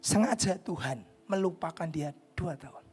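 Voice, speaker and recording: A male pastor giving an impassioned sermon, swinging between shouted peaks and hushed, whispered lines. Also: fairly high pitch, normal speed, husky.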